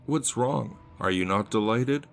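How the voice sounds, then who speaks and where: Creepy smooth street magician guy, a man doing him, real low voice, soft and coaxing, faint music under it. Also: fairly even intonation, measured pace. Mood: wounded. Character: smooth, eerie adult male street illusionist.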